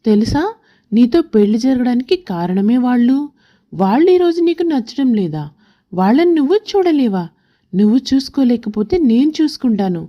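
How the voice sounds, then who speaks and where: A woman's voice: a little high, dull audio. A woman voicing a stern husband in a story, a protective son who scolds and admonishes.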